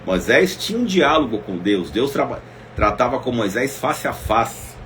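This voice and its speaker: A man preaching a devotional Bible lesson, swinging between loud exclamations and soft asides as he speaks straight to his listeners. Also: medium pitch, sing-song, normal speed, a little hiss or hum. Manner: speaks directly to listeners as "minha irmã".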